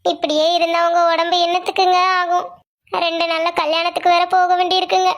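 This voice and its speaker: Woman voicing a sharp-tongued practical wife. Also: extremely high pitch, level tone, brisk. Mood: coaxing. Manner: coaxing then teasing. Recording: soft music underneath.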